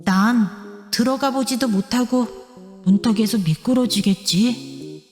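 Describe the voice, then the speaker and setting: A woman's voice: a little high, lively intonation, takes it slowly, gravelly, darkish tone, heavily acted. A woman voicing a timid, gloomy schoolchild with little confidence in a children's storybook, hesitant and self-doubting. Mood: gloomy, resigned. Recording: echoey reverb with children's music behind.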